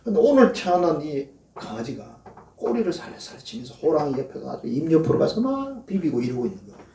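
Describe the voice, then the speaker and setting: A man's voice: fairly high pitch, very animated, brisk, mellow, slight background noise. A male pastor, preaching a sermon in a folksy storytelling way and acting out quoted prayers in a mocking voice. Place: church sanctuary. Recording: echoey church hall, voice from a distance.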